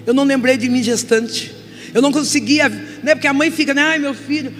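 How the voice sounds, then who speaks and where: A middle-aged woman with a Brazilian Portuguese accent giving an emotional testimony sermon as a guest preacher, moving from soft confession to loud exhortation. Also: high voice, brisk. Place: church hall. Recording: reverberant church hall with music.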